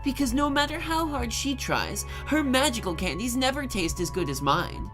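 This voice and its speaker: A woman's voice: high-pitched, big pitch swings, moderate pace, music in the background. A woman voicing a grumpy, blunt female candy-shop alchemist in a game, dry and dismissive. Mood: irritated.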